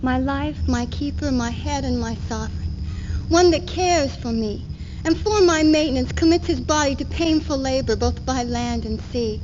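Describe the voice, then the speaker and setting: A woman's voice: high-pitched, moderate pace, darkish tone, natural voice. A woman performing a devoted, submissive housewife in an earnest, declamatory readers theater recitation. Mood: devout, tender. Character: devoted, submissive housewife, proud and pious about home. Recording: dull, noisy 1970s archival stage recording.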